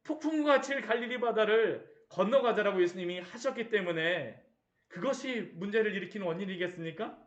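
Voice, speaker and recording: Male pastor, lively high voice, roomy church echo, rhetorical sermon style. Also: brisk, lo-fi sound. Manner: rhetorical questions, acts out the disciples' cries.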